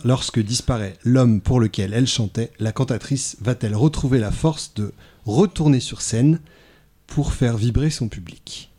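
Podcast guy, warm dark voice, halting, lots of ums. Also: medium pitch. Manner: hesitant, halting, many fillers. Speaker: podcast panelist. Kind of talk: casual podcast chat.

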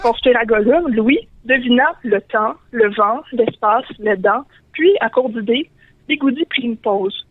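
A woman's voice: on the high side, measured pace, no room sound. A woman with a Quebec French accent reads a playful parody story aloud. Her voice comes through a tinny, dry phone line. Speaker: caller reading her story.

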